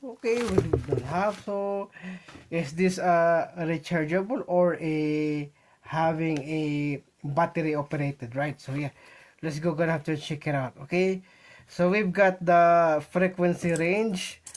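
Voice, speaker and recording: A man with a Filipino accent talks casually to viewers in an unboxing vlog, halting and repeating himself as he thinks aloud. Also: on the high side, steady tone. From Philippines. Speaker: vlogger. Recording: noisy home recording with clicks.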